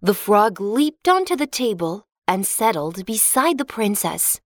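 A woman's voice: medium pitch, sing-song, unhurried, dry recording, clean studio sound. Woman reading a children's fairy tale. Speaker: narrator. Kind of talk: storybook narration for children.

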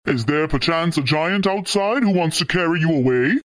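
A stern, fatherly old king from a fairy tale, speaking gravely and slowly in a lowered voice. The pitch still sweeps widely, as a woman reader puts him on. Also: lively intonation. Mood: concerned.

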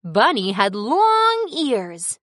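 A woman narrating a children's story in an expressive storytelling manner. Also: a little high, extremely slow, dry recording, studio quality.

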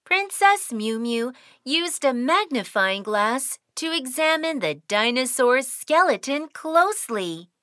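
A woman's voice: high voice, very animated, slow pace, hardly any pauses, fairly bright tone, no room sound, studio quality. A woman narrating a children's cartoon in a sing-song, cheerful storytelling way.

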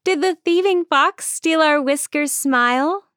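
A woman doing a high caring mother mouse. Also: a little slow, no echo, clean studio sound. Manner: soft and caring.

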